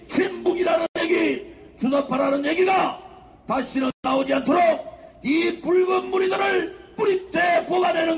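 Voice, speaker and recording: A man giving a fiery shouted speech at an outdoor political rally, chanting slogans to the crowd. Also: extremely high pitch. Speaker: rally speaker. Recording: echoey outdoor PA with crowd noise.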